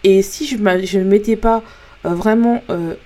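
A woman's voice: medium pitch, a little slow, warm tone. A French woman, a coach and podcast host, talking frankly in a casual motivational monologue with many fillers and restarts.

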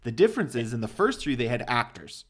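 A man's voice: mid-range voice, very animated, fast, husky. Profane, emphatic podcast co-host man. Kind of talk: casual movie review chat.

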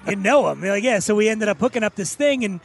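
A man's voice: high voice, animated, fast talker, husky. A man hosting an interview podcast, boisterous and chummy in casual chat. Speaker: podcast host.

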